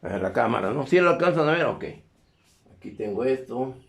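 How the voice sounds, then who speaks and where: A male teacher giving a live electronics class, often pausing to ask students if they follow. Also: mid-range voice, animated, creaky, a bit bright. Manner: constantly checks in with questions to the class. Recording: echoey classroom.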